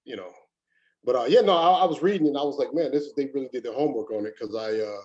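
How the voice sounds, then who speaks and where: A man's voice: medium pitch, fast talker, a little mellow, highs cut off. A man chatting casually as an actor among colleagues, often repeating words as he starts a thought. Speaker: actor reading at a table read. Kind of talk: casual chat.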